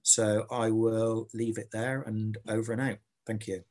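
A man with a low voice speaks in a halting academic manner, rephrasing as he goes. He talks over a video call. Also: flat delivery, a little mellow. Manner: halting, rephrases mid-sentence. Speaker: panel speaker.

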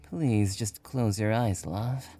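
A woman's voice: a bass voice, dark tone, husky, soft background music, full character voice. A woman voicing a playful, affectionate young man who teases and jokes. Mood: teasing. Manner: teasing, drawn-out playful delivery.

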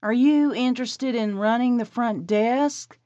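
A friendly woman employer, put on by a woman narrator, pitched above the narrator's voice and speaking slowly and carefully. The recording is dry and slightly dull. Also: dark tone, no room sound, close to an everyday voice. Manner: slow, measured, explaining.

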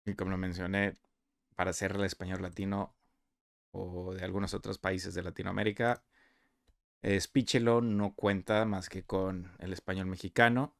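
A man talking conversationally and explaining step by step over a screen recording of a software walkthrough. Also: sits low, level tone, moderate pace, vocal fry, no room sound, clean studio sound. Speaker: software reviewer.

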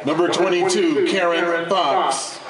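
A middle-aged American public-address announcer with a high voice reads softball starting lineups from a stadium press box, formal and slow with fairly even intonation, drawing out the players' names. The sound is echoey from a distant mic, with loud crowd noise.

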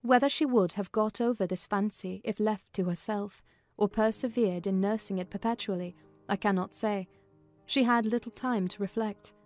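A woman's voice: medium pitch, fairly even intonation, normal speed, a little mellow, dry recording, faint music behind. A woman reading a classic novel as scripted, dramatic audiobook narration.

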